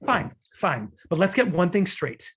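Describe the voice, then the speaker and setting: A man's voice: high voice, sing-song, unhurried, a bit bright, full character voice. An actor playing a defensive, exasperated man arguing with his lover in a table read of a romantic comedy. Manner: argumentative, self-justifying.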